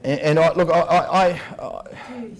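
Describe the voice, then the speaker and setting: An Australian man delivering an investigative lecture in an emphatic, rhetorical manner, leaning on key words with deliberate stress. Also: fairly high pitch, lively intonation. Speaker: public speaker, lecturer. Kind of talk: public address, investigative lecture. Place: public talk at a venue.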